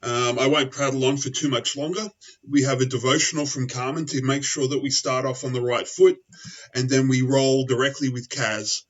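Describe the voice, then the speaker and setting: A man's voice: medium pitch, fairly even intonation, moderate pace. A man hosting an online show in casual chat, rambling with many fillers and restarts. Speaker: podcast host. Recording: distant, dull lo-fi mic.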